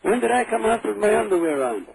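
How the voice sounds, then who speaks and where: A man's voice: high voice, very animated, fast talker, creaky. Confused man in his eighties on the phone. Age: 80s. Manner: confused, repeats questions, swears. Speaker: prank call recipient. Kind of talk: phone conversation. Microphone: telephone. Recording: noisy phone line.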